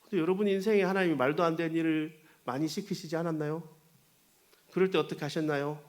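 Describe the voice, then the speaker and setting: A man's voice: fairly high pitch, steady tone, quick pace. A man, a pastor, giving a humorous sermon to Sunday school teachers, telling stories with playful asides to the audience.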